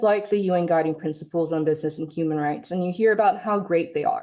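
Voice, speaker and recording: A woman talks in a normal speaking voice, fairly quick, medium in pitch and with ordinary pitch variation. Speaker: UN independent expert and academic. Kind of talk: webinar lecture. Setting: webinar with live interpretation.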